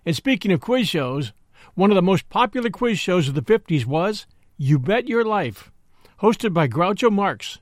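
A man's voice: sits high, sing-song, moderate pace, no echo, studio quality. A man giving a scripted introduction as a radio show host.

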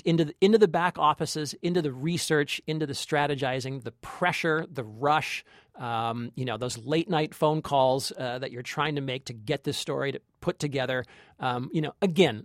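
A man's voice: medium pitch, fairly even intonation, moderate pace, dry recording, studio quality. A man co-hosting a film review podcast, talking conversationally and reflectively, repeating phrases for emphasis. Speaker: podcast co-host, film critic.

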